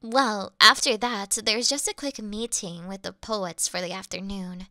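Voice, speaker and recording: A woman's voice: mid-range voice, fairly even intonation, unhurried, sharp tone, dry recording, studio quality. A woman voicing a devoted female demon servant who worships her mistress, fawning and flustered in a scripted audio roleplay. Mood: adoring.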